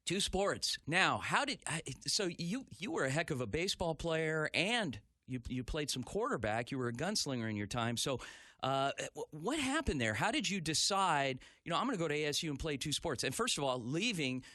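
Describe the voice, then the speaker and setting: A middle-aged male radio host with a bright, forceful voice, a touch higher than most men. He chats enthusiastically and rambles a little. The sound is close and dry. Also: big pitch swings, normal speed, dry recording. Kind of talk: radio talk show.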